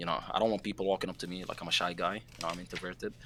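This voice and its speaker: There is noticeable background noise. A man speaks at a fairly low pitch with fairly even intonation. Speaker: streamer. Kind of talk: casual chat. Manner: loud.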